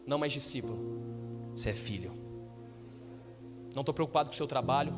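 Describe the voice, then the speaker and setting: Man, pastor preaching, call-and-response, faint music, long hall reverb. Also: on the high side. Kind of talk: sermon. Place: church hall.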